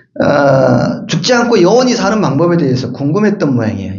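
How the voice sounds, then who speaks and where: A man talks at a moderate pace, his pitch swinging very widely. Audible room echo surrounds his voice. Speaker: pastor. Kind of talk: sermon. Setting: church.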